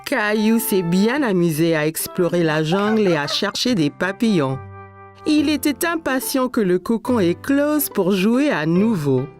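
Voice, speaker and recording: A woman playing a gentle storyteller who narrates a children's cartoon in scripted storybook style. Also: medium pitch, lively intonation, a little slow, soft background music, close to an everyday voice. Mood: storytelling. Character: gentle storyteller narrating a small boy's day.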